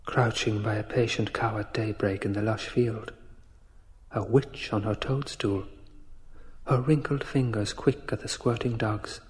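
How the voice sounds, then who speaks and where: A man's voice: on the low side, fairly even intonation, measured pace, close to an everyday voice. A man playing a brooding young man's inner voice, reciting a poetic monologue in an audio drama. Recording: long cavernous reverb.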